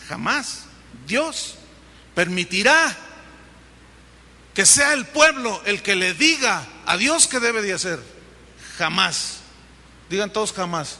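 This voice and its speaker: A man's voice: very high voice, gravelly, sharp tone. A male pastor with a Mexican accent preaching a sermon, emphatic and driving his points home through repetition. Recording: long hall reverb, faint noise.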